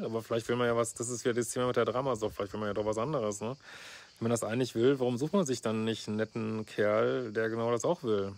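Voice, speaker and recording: A middle-aged man, a couples therapist, reading out a viewer's letter and commenting on it bluntly and sarcastically. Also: medium pitch. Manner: blunt, sarcastic, frequent "ne?" tags and fillers. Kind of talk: casual reaction vlog, reading out and commenting.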